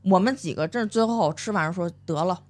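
A woman's voice: fairly low pitch, quick pace. A middle-aged woman with a Beijing accent, a podcast guest telling a work story in casual chat and acting out what people said. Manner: animated storytelling, acts out quoted speech.

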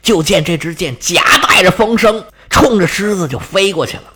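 A man's voice: sits high, lively intonation, moderate pace, crowd noise. A man telling a myth in a chatty, folksy storyteller manner, adding sound effects. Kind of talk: storytelling narration.

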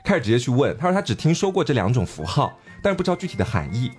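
A man's voice: mid-range voice, sing-song, racing, darkish tone, soft background music. A man co-hosting a podcast, telling a story in casual chat with lots of laughter. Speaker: podcast co-host.

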